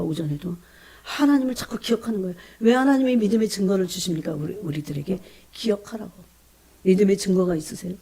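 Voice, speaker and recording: A woman preaching a fervent, emotional sermon, often calling out to her congregation and dropping into hushed whispers between bursts of emphasis. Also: mid-range voice, husky.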